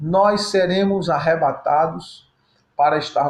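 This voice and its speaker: This man has a high voice and talks at a very slow pace with ordinary pitch variation. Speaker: pastor. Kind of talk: sermon.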